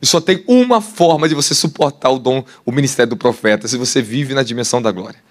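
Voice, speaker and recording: A man with a Brazilian Portuguese accent preaching a sermon, animated and laughing, putting questions to the congregation. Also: mid-range voice, fast. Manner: animated, asks the crowd questions, laughs often. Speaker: apostle preacher. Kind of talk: sermon teaching.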